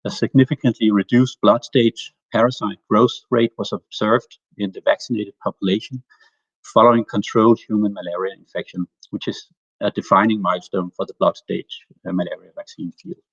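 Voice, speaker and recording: Low-voiced man giving a measured corporate update. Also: fairly even intonation, slightly rough, no echo. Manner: measured, reads prepared remarks with hesitations. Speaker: company executive presenting results. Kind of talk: prepared corporate presentation. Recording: dry, dull lo-fi call audio.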